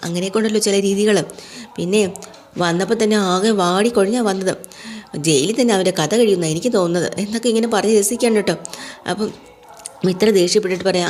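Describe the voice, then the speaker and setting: A woman's voice: medium pitch, quick pace, a little mellow, a little hiss or hum. A woman casually retelling a TV serial episode in a chatty way, with frequent tag words. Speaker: serial recap narrator. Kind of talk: casual spoken recap of a TV serial.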